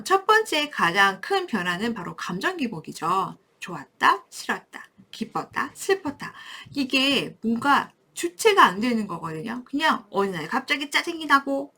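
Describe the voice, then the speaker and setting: A woman giving a parenting lecture to camera, explaining things warmly and acting out short quotes from parents and children. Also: fairly high pitch, sing-song, moderate pace, few pauses, slightly rough. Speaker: parenting educator. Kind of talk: talking-head parenting lecture.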